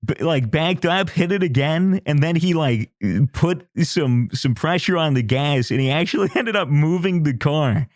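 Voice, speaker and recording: A man's voice: a little high, normal speed, hardly any pauses, dry recording, studio quality. A man on a podcast telling a crude story in a casual, laughing way, full of restarts and swearing. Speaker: podcast co-host.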